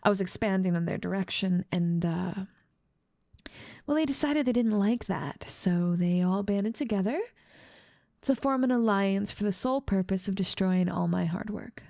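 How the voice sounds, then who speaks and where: A woman's voice: medium pitch, gravelly, dry recording, studio quality. A woman voicing a smug, scheming evil witch. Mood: calm. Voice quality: frequent soft whispering. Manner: smug, condescending, toying with a captive. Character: cold, scheming evil witch, ambitious and controlling. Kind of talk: ASMR audio roleplay.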